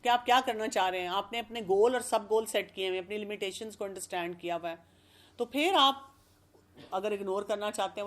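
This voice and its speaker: A woman speaking as an expert guest, explaining calmly and working through everyday examples. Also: mid-range voice. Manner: calm, explanatory, gives examples. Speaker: expert guest giving parenting advice. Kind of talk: advice talk.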